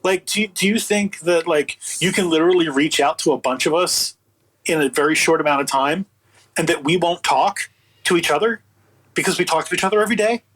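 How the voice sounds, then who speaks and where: A man with a slightly high, husky voice is a guest in an interview. He tells his story in a casual, conversational way, acting out both sides of remembered exchanges with an incredulous, sardonic edge. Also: fairly quick, rough recording. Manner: animated retelling with acted-out quotes, incredulous and sardonic. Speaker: interview guest, audio book producer.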